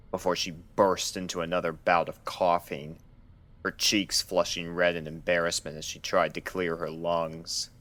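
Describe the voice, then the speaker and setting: Male narrator for scripted fiction, low-pitched voice, storytelling delivery. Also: a bit bright.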